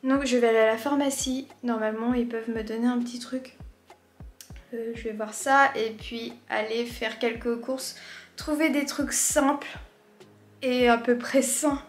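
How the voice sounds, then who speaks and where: A woman vlogging casually to camera with a stuffy nose from allergies, rambling and filling pauses as she talks. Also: a little high, fairly even intonation. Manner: chatty, rambling, with many fillers and restarts. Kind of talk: casual vlog chat to camera. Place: indoors in a holiday rental, later outdoors by a bay. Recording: roomy echo with faint background music.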